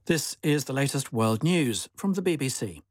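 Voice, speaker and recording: Man, newsreader, scripted bulletin, measured formal delivery, husky tone, dry booth. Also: mid-range voice, animated, no echo. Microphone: studio microphone.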